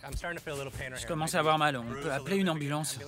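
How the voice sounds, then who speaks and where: A man's voice: fairly high pitch, fairly even intonation, normal speed, crowd noise, close to an everyday voice. A man dubbing a prankster who fakes pain, complaining theatrically. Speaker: prankster faking injury. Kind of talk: dubbed reality-show dialogue.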